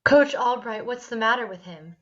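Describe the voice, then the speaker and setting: A woman playing a lovesick, anxious high school girl in a screenplay table read, on lo-fi audio. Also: normal speed, a bit bright, lightly acted. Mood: longing, worried. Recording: dull, lo-fi online call audio.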